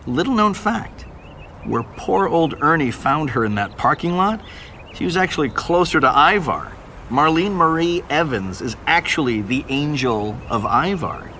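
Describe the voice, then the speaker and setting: An actor playing a wry, punchy storyteller interviewed in a true-crime audio drama. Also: male voice, a little high, lively intonation, measured pace, pushed and bright, slight background noise, full character voice. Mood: wry, animated. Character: animated, wry storyteller explaining an old scandal.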